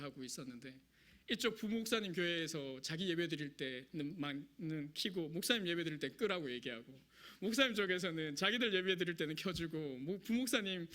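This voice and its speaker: Bright high-voiced young Korean preacher. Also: male voice. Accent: Korean regional dialect. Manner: self-deprecating, conversational, nervous humor. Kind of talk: sermon. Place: church sanctuary.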